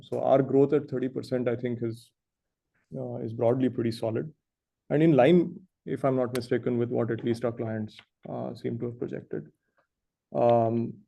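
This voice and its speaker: A man speaking as a company executive, giving measured, explanatory answers on an earnings call. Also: medium pitch, vocal fry, mellow.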